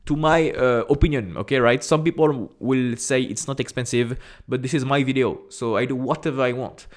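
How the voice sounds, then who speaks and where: A man with a strong French accent talks straight to camera in a casual, direct way. His voice sits in a middle pitch for a man. He repeats phrases and fills pauses with a quick "uh". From France. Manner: chatty and direct, repeats phrases, frequent "uh" fillers. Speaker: investing YouTuber.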